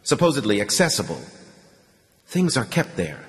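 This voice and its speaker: A man's voice: mid-range voice, big pitch swings, normal speed, long reverb tail, natural voice. A man voicing a blunt, sarcastic middle-aged soldier who leads a squad. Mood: mocking.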